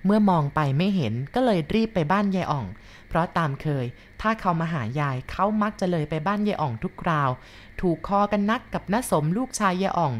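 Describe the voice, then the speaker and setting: A woman reading a ghost story aloud in steady, even storytelling. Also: fairly low pitch, a little fast.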